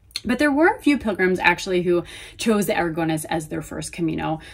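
A woman speaks with lively intonation. Vocal fry runs through her voice. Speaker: travel vlogger. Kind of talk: casual vlog chat. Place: home room. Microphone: phone near.

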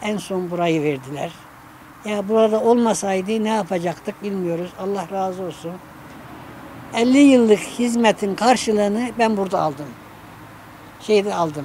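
A man with a high pitch and ordinary pitch variation talks at a moderate pace with long, frequent pauses, the sound dry with no echo over light background noise. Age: 70s. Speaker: retired railway worker. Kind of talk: interview answer. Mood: grateful, emotional recollection.

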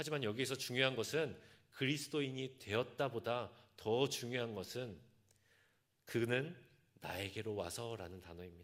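Medium pitch and ordinary pitch variation from a man at a moderate pace, broken by long, frequent pauses. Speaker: pastor. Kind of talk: sermon. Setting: church.

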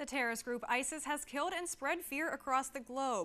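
At a fairly quick pace, a woman projects a raised voice that is high in pitch with a bright, sharp tone. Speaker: news anchor. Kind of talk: local TV news reading, polished broadcast delivery. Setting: TV studio broadcast. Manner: formal, steady, even-paced and clear, newsreader cadence. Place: studio. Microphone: lapel.

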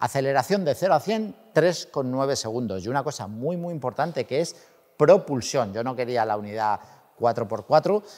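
Against a quiet background, a man with a medium-pitched voice talks fairly slowly with lively intonation. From Spain. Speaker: car YouTuber. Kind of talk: casual vlog presentation. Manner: animated. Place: shop.

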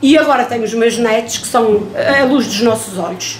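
A woman with ordinary pitch variation, with audible room echo and faint music in the background. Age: 60s. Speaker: local woman interviewed at home; interviewee. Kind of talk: casual chat. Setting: at home. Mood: warm, heartfelt. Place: home room. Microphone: phone near.

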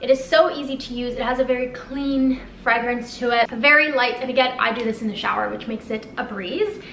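A high-pitched woman talks at a fairly quick pace with hardly any pauses and ordinary pitch variation. Audible room echo and light background noise are in the recording. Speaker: beauty vlogger. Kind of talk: sponsored product review vlog. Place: home room.

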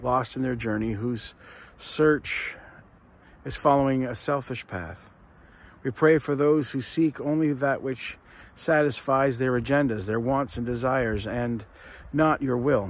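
Recorded dry with no echo, a man talks with ordinary pitch variation. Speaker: devotional leader / pastor. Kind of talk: devotional prayer and Bible reflection; fervent, earnest spoken prayer. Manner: earnest, heartfelt, pleading prayer delivery; measured, reverent, pastoral. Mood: solemn, prayerful. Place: open country. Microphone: phone near.

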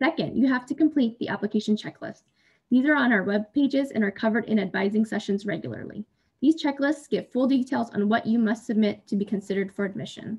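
A woman speaks at a very fast pace, somewhat breathy, with ordinary pitch variation. The background is quiet. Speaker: presenter. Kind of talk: informational presentation. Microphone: webcam.

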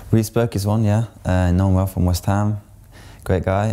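A man with fairly even intonation. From Norway. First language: Norwegian. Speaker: professional footballer. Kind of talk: interview. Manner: halting. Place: meeting room.

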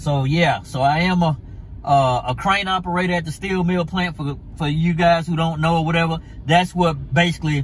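A man at a moderate pace, light background noise behind him. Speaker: vlogger driving. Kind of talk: casual vlog chat. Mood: relaxed, upbeat. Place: car.

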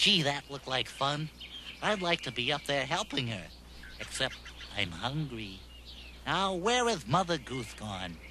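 A man uses a cartoonish character voice at a fairly high pitch, with long, frequent pauses. Clear background noise runs underneath. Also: moderate pace. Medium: puppet show. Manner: wry, chatty, food-obsessed, honking.

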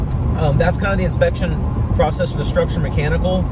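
Loud background noise surrounds a man who talks at a fairly quick pace. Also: dry sound with no echo. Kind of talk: casual vlog chat. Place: car. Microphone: phone near.

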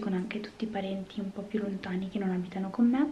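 Soft-spoken male whispering at a fairly quick pace, with audible room echo and light background noise. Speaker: ASMR creator. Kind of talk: ASMR whispering video for sleep, talking to camera. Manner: whispered, soft-spoken. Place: home room.

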